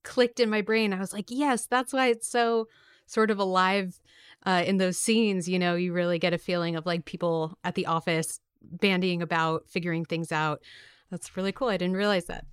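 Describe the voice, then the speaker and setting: Woman, podcast interviewer, strikingly smooth clear voice, dry close sound, effusive, encouraging. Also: lowish voice, fairly even intonation, moderate pace, no echo. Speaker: podcast host interviewing a guest. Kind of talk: casual, enthusiastic interview chat.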